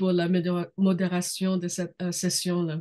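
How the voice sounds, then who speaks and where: Using a dark, mellow tone, a woman with a non-native accent speaks at a fairly slow pace and a medium pitch. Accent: non-native French, rusty. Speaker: political scientist, professor. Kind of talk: academic presentation. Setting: video call.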